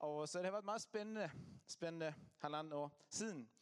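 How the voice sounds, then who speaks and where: A man with a Swedish accent speaks in a high voice. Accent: Swedish accent in Danish. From Sweden. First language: Swedish (speaking Danish). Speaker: pastor. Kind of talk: sermon. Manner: halting.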